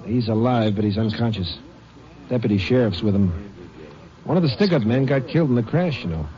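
A man's voice: mid-range voice, expressive, fairly quick, dark tone, natural voice. A man acting as a plainspoken lawman in a 1950s radio drama, reporting facts in a folksy, clipped way. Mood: matter-of-fact. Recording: dull old radio recording.

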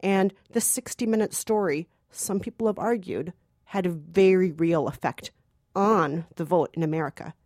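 A woman's voice: lowish voice, normal speed, a little mellow, no echo, clean studio sound. A woman co-hosting a film review podcast, chatting in an emphatic way and repeating her points. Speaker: podcast co-host, film critic.

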